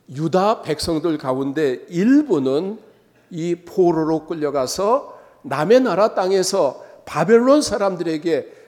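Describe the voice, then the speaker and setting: A man preaching a sermon as pastor, slow and emphatic, with dramatic swings in his voice. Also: sits high, darkish tone, big-room sound.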